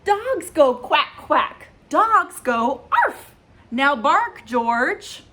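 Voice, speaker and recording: Woman doing a worried mother dog, high-pitched, lively sing-song scolding, slow and emphatic, storybook voice. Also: exaggerated voice.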